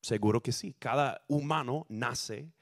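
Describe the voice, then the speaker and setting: A man from the United States, a native English speaker, preaching a sermon in halting, self-correcting Spanish with lively storytelling. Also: mid-range voice. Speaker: guest preacher.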